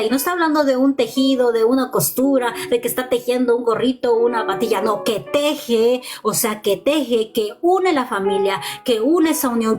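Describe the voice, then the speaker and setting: A woman preaching a personal testimony in an impassioned, repetitive style, speaking straight to her listeners. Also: high voice. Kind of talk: testimony sermon.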